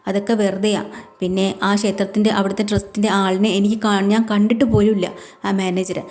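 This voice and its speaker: A man's voice: high voice, little pitch movement, fairly quick, a little mellow, close to an everyday voice. A woman voicing a sly, hot-tempered young man who keeps denying things and then makes bitter threats. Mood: defensive.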